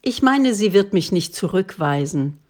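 Woman reading as a calm spiritual leader. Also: medium pitch, a little slow, close to an everyday voice. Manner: calm, gentle. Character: calm, kind spiritual leader, grown man.

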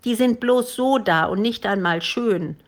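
A brave, chatty little girl in a storybook, high and eager as she scolds, as a woman reads her. She speaks carefully and unhurried. Her voice lifts with cheeky confidence. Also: natural voice.

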